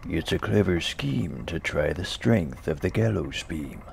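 Very deep, gravelly, menacing hangman. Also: animated, slight background noise, exaggerated voice. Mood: sly, boastful. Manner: slow, drawn-out, taunting delivery. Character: sly, menacing male hangman, coldly mocking and businesslike. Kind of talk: dramatic poetry recitation.

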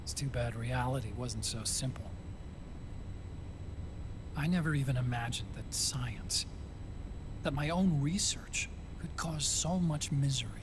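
An actor playing an earnest, hesitant, soft-hearted male computer scientist in a video game cutscene. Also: mid-range voice, measured pace, long pauses, noisy background, lightly acted. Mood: regretful, subdued.

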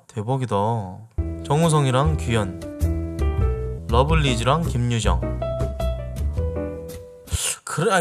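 Young guy from south jeolla chatting away, voice bouncing up and down, some music faint behind. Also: medium pitch. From South Jeolla, Korea. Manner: chatty, exclaiming, slangy. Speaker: YouTube host. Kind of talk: casual reaction commentary.

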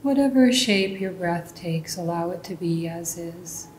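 A woman leading a guided meditation as a teacher, giving calm, gentle instructions. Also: measured pace. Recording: roomy echo, faint low rumbling noise.

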